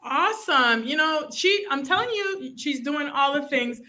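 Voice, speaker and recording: Woman, podcast host, from Côte d'Ivoire raised in Canada, effusive, bright tone. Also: high-pitched, animated, unhurried. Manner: effusive, hyping up her guest. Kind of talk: casual interview chat.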